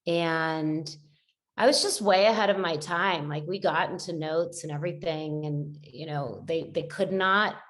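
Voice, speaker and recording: A woman's voice: low-pitched, a little slow. A middle-aged woman talking as a podcast guest, reflective and rambling, with many fillers and restarts. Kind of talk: casual conversational interview.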